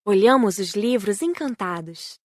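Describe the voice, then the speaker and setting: A woman's voice: mid-range voice, lively intonation, a little slow, no room sound. Brazilian woman narrating in a dry studio sound. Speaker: audiobook narrator. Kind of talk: scripted narration of a spiritist book.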